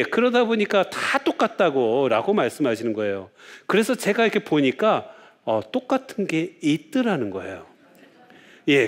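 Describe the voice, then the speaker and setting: A man, a Catholic priest, giving a lecture, telling stories and asking rhetorical questions with frequent "yes" fillers. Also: a little high.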